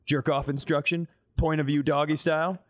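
A man's voice: fairly high pitch, level tone, moderate pace. A man in his mid-thirties co-hosting a comedy podcast, telling casual, blunt stories with swearing and acted-out quotes. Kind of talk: animated casual comic storytelling.

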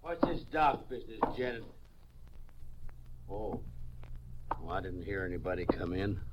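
A man playing a shifty, folksy American crook feigning innocence, defensive and halting, in a 1950s western radio drama. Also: low-pitched, expressive, very noisy. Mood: guarded, evasive. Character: shifty middle-aged rural Texan crook feigning innocence. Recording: dull, muffled old radio recording.

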